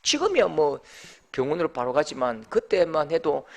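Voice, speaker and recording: A pastor preaches a sermon. He tells it like a story and acts out the dialect quotes. His voice sits high and moves up and down a lot. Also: normal speed, gravelly. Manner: storytelling with mimicked dialect quotes, lively and animated.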